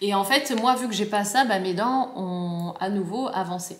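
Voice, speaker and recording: A woman speaks at a medium pitch with ordinary pitch variation, her voice carrying audible room echo over noticeable background noise. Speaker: lifestyle vlogger. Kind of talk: casual vlog talk to camera. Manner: chatty, many fillers.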